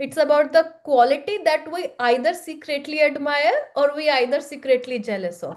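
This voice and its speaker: This woman talks at a high pitch and a moderate pace, with hardly any pauses. Her loudness swings widely while her pitch varies in an ordinary way. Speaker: workshop facilitator. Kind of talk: workshop guidance.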